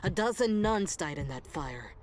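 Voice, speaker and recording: A woman voicing a gossiping character in a video game, passing on dark secrets in a conspiratorial way that often drops to a whisper. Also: lowish voice, expressive, normal speed, noisy background, lightly acted. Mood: gossipy.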